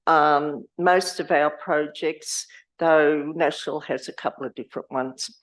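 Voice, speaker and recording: Hoarse woman at a lectern. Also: low voice, steady tone, a little slow, rough recording. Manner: chatty, rambling, with restarts and laughs. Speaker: community award volunteer. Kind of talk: informal speech at a council meeting. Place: council chamber. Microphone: lectern microphone.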